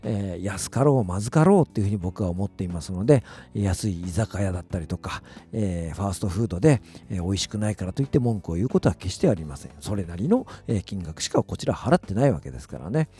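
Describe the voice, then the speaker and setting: A man's voice: low-pitched, expressive, fast talker, hardly any pauses, warm tone, slightly rough. A man giving a chatty solo radio-style talk in very polite, formal phrasing, with a self-deprecating manner. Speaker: radio-style talk host, music producer and voice coach.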